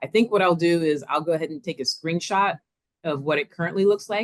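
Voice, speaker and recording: Her pitch fairly low and her pitch variation ordinary, a woman talks in a normal speaking voice. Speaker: government environmental data specialist. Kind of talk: meeting presentation.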